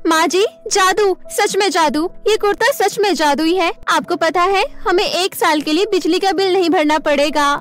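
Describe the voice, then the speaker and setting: A woman voicing an earnest, easily upset young new bride in an expressive cartoon storybook style. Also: very high-pitched, moderate pace, few pauses, soft background music, voice pushed up. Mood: excited. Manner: expressive, plaintive storybook dialogue.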